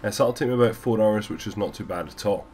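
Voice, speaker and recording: Male gaming vlogger, deep and low, sick with a cold, rapid rambling voiceover. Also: a little mellow. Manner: rambling, casual, many fillers. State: has a cold, stuffy. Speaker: gaming YouTuber. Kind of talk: gameplay voiceover commentary.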